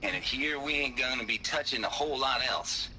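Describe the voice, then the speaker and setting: A man's voice: medium pitch, a little fast, crowd noise, natural voice, rough recording. An actor playing a crude, cynical man who talks in a drawling, sardonic folksy way.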